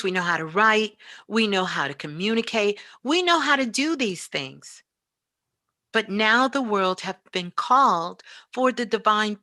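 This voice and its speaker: A woman's voice: mid-range voice, sharp tone, no echo. A woman giving a spiritual motivational talk as a teacher, speaking emphatically and repeating phrases for effect.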